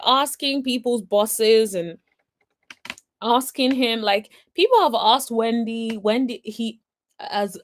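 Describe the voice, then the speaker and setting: This is a woman hosting a casual celebrity-gossip recap. She talks in a chatty, opinionated way and keeps asking rhetorical questions. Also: fairly high pitch. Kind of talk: casual commentary vlog.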